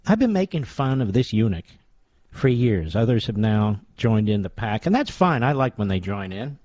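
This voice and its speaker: A man's voice: lowish voice, very animated, moderate pace, a little mellow, dry recording. A man hosting a talk radio show, delivering a sarcastic, combative opinion monologue. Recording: dull lo-fi dry sound.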